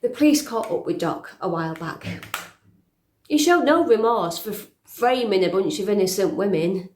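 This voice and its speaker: A woman's voice: medium pitch, lively intonation, moderate pace, a little mellow, roomy sound, lightly acted. A woman playing a middle-aged, weary Snow White in a dry, understated, confiding dramatic monologue. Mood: dry, reflective.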